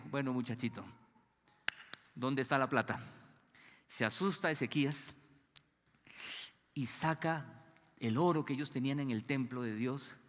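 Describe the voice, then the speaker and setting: A pastor delivers a sermon in a large church hall, prompting the congregation to call out the missing words. His voice is medium in pitch and slightly bright.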